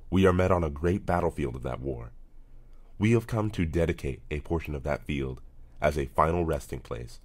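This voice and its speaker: A man doing a scripted voice-over reading as a professional voice actor, in a solemn, measured, oratorical manner. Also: extremely low pitch, darkish tone.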